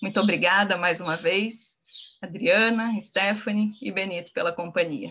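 The woman speaks at a fairly slow pace. Her pitch varies in an ordinary way. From interior of São Paulo state, Brazil. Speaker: lawyer; guest. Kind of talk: webinar talk. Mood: warm, smiling. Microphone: video call.

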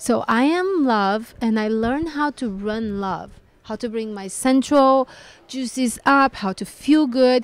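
Speaking at a fairly slow pace with long, frequent pauses, a woman with a Brazilian accent shows ordinary pitch variation, and the sound is dry with no echo. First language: Portuguese. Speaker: relationship and sex coach, author. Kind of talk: interview. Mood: warm, playful, sensual. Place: home room. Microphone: handheld.

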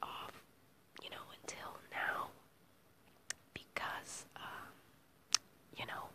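A woman is whispering. Her pace is very slow. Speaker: ASMR creator. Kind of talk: ASMR giveaway announcement. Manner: whispered, soft-spoken. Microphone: phone near.

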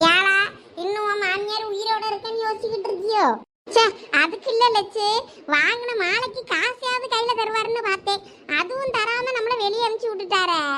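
In a put-on character voice, a woman speaks at an extremely high pitch, with fairly even intonation and a moderate pace. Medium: voice reel. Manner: grumbling, comic.

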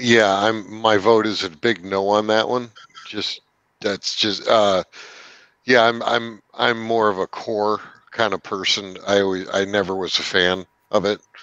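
A man's flat, monotone delivery at a fairly slow pace. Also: fairly low pitch for a man. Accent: American. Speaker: tabletop game designer. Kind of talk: casual interview.

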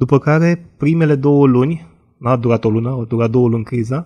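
Somewhat breathy with a dark, mellow tone, a man talks fairly quickly with fairly even intonation over a quiet background. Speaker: martial arts instructor. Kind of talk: casual chat. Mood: relaxed, candid. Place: studio. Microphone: studio mic.

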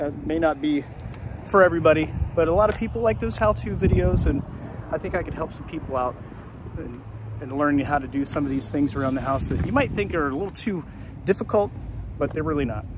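A man talks at a very fast pace over noticeable background noise. The sound is dry, without echo. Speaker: travel vlogger. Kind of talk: casual vlog chat. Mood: upbeat, reflective. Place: open country. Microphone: phone near.

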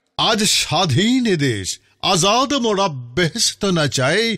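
A man speaks in a high voice for a man while music plays in the background. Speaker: poetry reciter. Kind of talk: poetry reading. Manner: rousing, martial.

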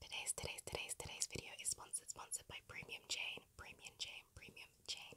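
Whispering at a fairly quick pace, a woman runs on with hardly any pauses. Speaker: ASMR artist. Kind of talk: sponsored product read. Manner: whispered, fast. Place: home room.

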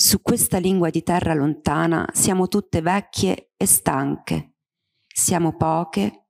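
This woman talks at a very slow pace. Her pitch varies in an ordinary way. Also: quiet background. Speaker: festival organizer reading aloud. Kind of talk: reading aloud at a panel event. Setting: stage with audience. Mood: weary, melancholic. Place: hall. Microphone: handheld.

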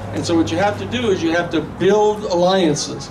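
A high-pitched man's voice at a moderate pace, ordinary pitch variation, noticeable background noise behind it. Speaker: constitutional lawyer. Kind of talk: rally speech. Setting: outdoors.

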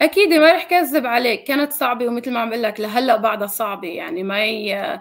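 A woman with a plain, everyday voice talks at a fairly quick pace, her fairly high pitch carried by lively intonation over a quiet background. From Lebanon, Bekaa; Lebanon. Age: 20s. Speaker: pediatric cardiologist; interview guest. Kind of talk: interview. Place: home room.

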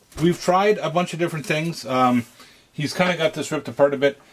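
There's light background noise as a man talks with lively intonation. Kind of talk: tutorial. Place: workshop. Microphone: camera far.

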